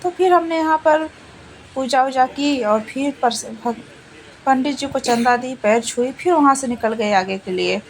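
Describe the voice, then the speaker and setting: A woman with a fairly high voice narrates her family outing in a loose, chatty vlog voice-over. She rambles and repeats phrases as she goes. Faint ambient noise sits under her voice. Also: measured pace, low-quality recording. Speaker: vlogger narrating a family trip. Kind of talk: casual travel vlog voice-over.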